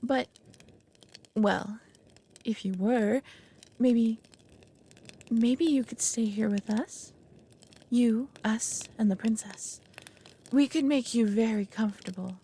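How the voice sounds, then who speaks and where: A woman plays an anxious, possessive, lonely female dragon with a creaky voice, awkwardly smitten, in an ASMR roleplay audio drama. Her voice is a little high and warm, a full character voice. Flustered and coy, she talks in a halting, earnest manner using formal words.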